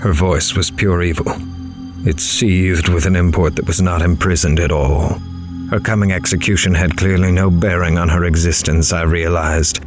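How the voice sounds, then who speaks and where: A man playing a grave, horrified reporter in a horror audio drama, dramatically telling his story in the first person. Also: low-pitched. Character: horrified male reporter recounting an interview with a killer. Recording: music underneath.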